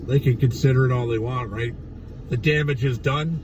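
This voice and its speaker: A man with a raspy voice gone hoarse from days of yelling, ranting bluntly and profanely on a casual livestream from inside his truck. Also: medium pitch, steady tone, moderate pace, distant mic, lo-fi sound, noisy background. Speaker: livestreamer at a protest. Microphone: phone.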